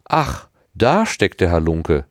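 A man's voice: low voice, huge pitch swings, slow, dry recording, studio quality, full character voice. A man reading aloud, voicing a friendly, teasing, easygoing teenage boy. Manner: breezy, teasing.

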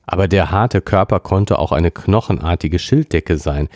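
A man reading a classic novel aloud as a podcast narrator, in a steady storytelling manner. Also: deep voice, moderate pace, no room sound, studio quality. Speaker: podcast reader. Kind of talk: audiobook reading.

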